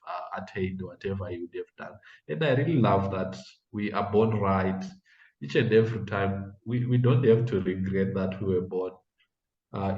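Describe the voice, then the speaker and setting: Young man, from Zimbabwe, low-pitched, hesitant, earnest, echoey room, dull audio. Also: a little mellow. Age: young adult. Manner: hesitant, repeats words, measured and earnest. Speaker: interview guest. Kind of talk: casual interview conversation.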